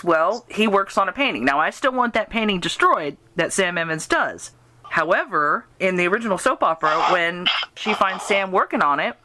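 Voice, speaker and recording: A woman's voice: lowish voice, bright, forceful tone, dry recording. A woman hosting a casual fan interview, telling stories in an enthusiastic, rambling way. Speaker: podcast host and radio drama writer.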